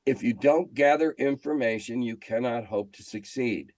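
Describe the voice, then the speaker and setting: With a mid-range voice and a darkish tone, this older American interview guest speaks at a moderate pace. A veteran of game design and editing, he tells stories conversationally and hammers his opinions home through repetition, with no room sound present.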